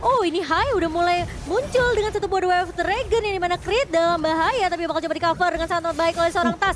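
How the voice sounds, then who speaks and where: An Indonesian woman giving live esports commentary and analysis in long run-on play-by-play sentences. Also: extremely high pitch.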